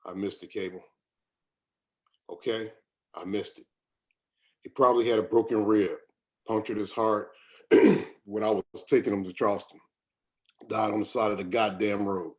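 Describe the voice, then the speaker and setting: A man's voice: on the low side, steady tone, moderate pace, long pauses, close to an everyday voice. A man playing a weary, defensive company doctor, bitter and resigned, in a screenplay table read. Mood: guilty, weary.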